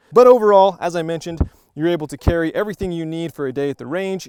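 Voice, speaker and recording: A man's fairly high-pitched, ordinary speaking voice at a fairly quick pace, with ordinary pitch variation and a dry, close sound with no echo. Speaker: firearms reviewer. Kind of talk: product review. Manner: casual, filler-heavy.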